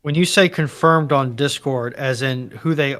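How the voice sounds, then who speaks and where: A man with a medium-pitched voice chats as a co-host on a livestream. His delivery is casual and conversational. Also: moderate pace, fairly bright tone. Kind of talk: casual chat.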